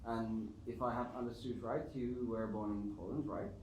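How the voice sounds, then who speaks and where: A man's voice: medium pitch, steady tone, moderate pace, darkish tone. Man asking questions in an echoey hall. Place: cinema hall at a live screening. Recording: roomy hall, distant mic, faint noise.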